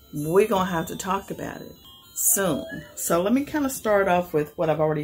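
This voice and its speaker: With music in the background, a woman talks at a fairly quick pace, her pitch swinging very widely. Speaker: haul vlogger. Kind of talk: casual vlog chat. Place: home room.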